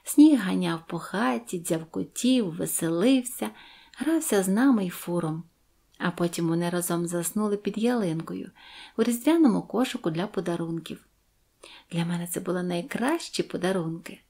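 A woman narrating a Christmas fairy tale in the first person, gentle and expressive. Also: fairly low pitch, moderate pace, vocal fry. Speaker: audiobook narrator. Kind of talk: storytelling narration.

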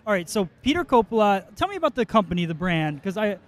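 A man in his thirties hosts a casual chat at a trade show booth, his voice sitting high for a man. He sounds chatty and upbeat, scattering casual fillers as he leads the questions. He holds a handheld mic close. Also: sing-song, fast talker. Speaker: interviewer, hairdresser. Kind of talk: casual interview.

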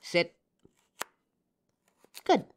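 A woman playing a caring, protective bodyguard in an intimate roleplay audio drama, with a gentle, teasing manner. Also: very slow. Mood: playful, tender. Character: caring, flirtatious female bodyguard, protective and loyal.

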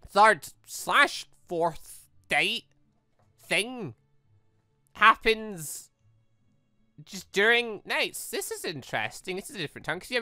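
Male gaming host, very animated delivery, off-the-cuff rambling, close dry sound over light music. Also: sits high, no echo. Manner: rambling, thinking aloud; animated, expressive. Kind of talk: casual playthrough commentary. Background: background music.

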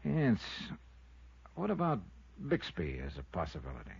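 A muffled vintage radio recording of a sardonic American investigator from a 1950s detective drama. His voice is deep and swings expressively. The delivery is clipped and world-weary, with a soft heart under the toughness. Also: huge pitch swings, moderate pace, vocal fry, slightly rough, full character voice. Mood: wry, frustrated. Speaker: lead actor and narrator.

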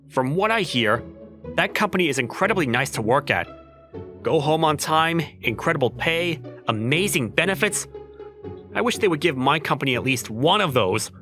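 A man acts out a flustered young office worker in a manga dub. His voice is lively and swings widely in pitch, skeptical and exasperated, with faint music behind it. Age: young adult. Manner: exasperated, incredulous, animated. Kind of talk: manga dub acting with inner narration.

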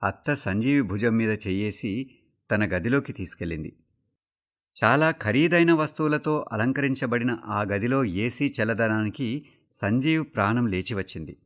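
A man giving a steady, measured reading of a short story for a radio broadcast. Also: medium pitch. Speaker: story reader. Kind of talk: scripted radio story narration.

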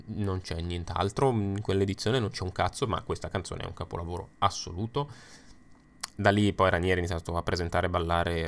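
A young adult man hosting a casual, opinionated video commentary, chatting with frequent fillers and asides. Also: sits low. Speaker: YouTube host ranking songs. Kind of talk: casual spoken commentary over slides.

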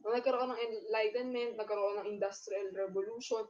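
A woman's voice: medium pitch, fairly even intonation, brisk, a little mellow, muffled recording. A woman teacher with a Filipino accent gives a recorded lecture to her students. She moves back and forth between Tagalog and English and keeps checking in with a questioning "no?".

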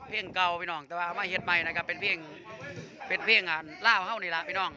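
A man's voice: sits high, steady tone, fast talker. A man with an Isan accent chatting casually to viewers as he vlogs his band's rehearsal. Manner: chatty, addresses viewers as brothers and sisters. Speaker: band leader vlogging a rehearsal. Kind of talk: casual vlog chat. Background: band music.

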